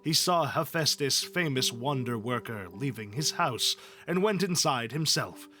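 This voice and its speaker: A man reads an epic poem aloud in a bright, forceful voice. He is a storyteller with an informal read-along style, and music plays faintly behind him. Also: medium pitch, lively intonation, unhurried. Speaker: story reader. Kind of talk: reading epic poetry aloud with informal asides.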